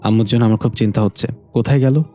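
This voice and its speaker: An earnest, anxious young fairy woman, as a male storyteller puts her on in his own mellow voice. She sounds warm and a little raised in pitch, with faint music behind her. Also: fairly even intonation, racing, lightly acted. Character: worried young fairy woman, caring daughter.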